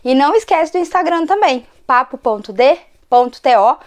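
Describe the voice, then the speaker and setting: A hoarse woman, fighting a cold, giving a conversational educational talk to her channel as an occupational therapist. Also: high voice, animated, normal speed. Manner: conversational, frequent tag questions.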